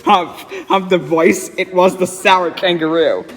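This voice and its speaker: A man's voice: sits high, steady tone, a little slow, fairly bright tone. A man voicing a cheerful, giggly cartoon dog, reading a storybook aloud in an amateur dramatic style. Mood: storytelling. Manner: giggly, theatrical phrasing. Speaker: story reader. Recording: reverberant hall-like echo.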